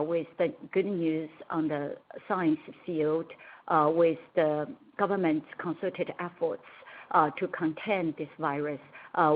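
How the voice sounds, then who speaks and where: Low-voiced woman on a tinny phone line. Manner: measured, halting delivery in short phrases. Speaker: company executive. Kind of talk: earnings call answers.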